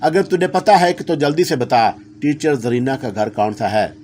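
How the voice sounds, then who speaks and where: A man's voice: medium pitch, lively intonation, normal speed, a little mellow, a little hiss or hum, close to an everyday voice. A man voicing a stubborn schoolboy who protests defiantly and loses his temper easily.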